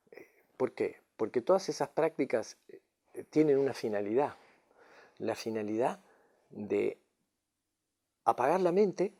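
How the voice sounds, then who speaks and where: Man, spiritual teacher, mid-range pitch, relaxed dark tone, reflective teaching talk. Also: creaky. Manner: tags lines with questioning "mm?" and "no?" to check understanding.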